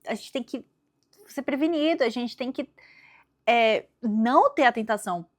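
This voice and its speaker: A woman's voice: fairly high pitch, expressive, normal speed, pitched above the performer's own voice. A fretful, protective Adam warns with earnest, pleading care, in a Brazilian accent and a raised voice. It is a woman playing him as she retells the story. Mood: cautious. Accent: Brazilian Portuguese. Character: cautious, worried first man Adam.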